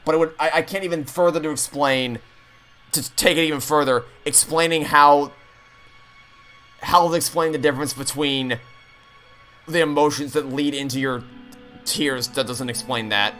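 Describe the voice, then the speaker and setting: A man's voice: fairly high pitch, fairly even intonation, moderate pace, long pauses, sharp tone, faint music behind. A man giving casual, chatty game commentary in a ranting, exasperated, sweary way. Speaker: gaming streamer playing through a game.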